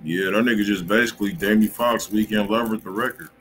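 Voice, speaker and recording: A man's voice: on the low side, quick pace, fairly bright tone. An American man, around his thirties, chatting casually and slangily as the host of a livestreamed music review show. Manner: slangy, informal. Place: indoor room at home, on a livestream. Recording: noisy room webcam stream.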